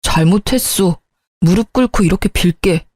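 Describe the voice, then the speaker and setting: A woman's voice: fairly low pitch, normal speed, a little mellow, no room sound, close to an everyday voice. A woman voicing a young husband begging his wife's forgiveness in a narrated story. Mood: pleading. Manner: begging, coaxing. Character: pleading apologetic young husband.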